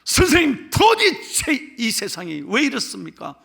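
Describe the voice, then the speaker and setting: Angry young man, pleading and indignant, pitched high and loud , as a preacher plays him. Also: sing-song, measured pace, exaggerated voice.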